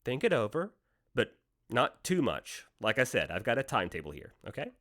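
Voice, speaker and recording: A man's voice: medium pitch, wildly swooping pitch, moderate pace, a bit bright. A man playing a glib, swooping salesman Devil. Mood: sly, persuasive. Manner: wheedling salesman patter, mock-casual, theatrical swoops. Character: glib male Devil, slick smooth-talking deal-maker, teasing and cynical. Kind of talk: radio play dialogue.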